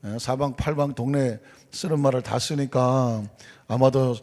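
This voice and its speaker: Gravelly preaching man in a reverberant church. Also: medium pitch, fairly even intonation, unhurried, darkish tone. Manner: emphatic preaching with congregation call-and-response; playful storytelling asides. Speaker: pastor. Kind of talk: sermon. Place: church sanctuary. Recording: reverberant church hall with faint music.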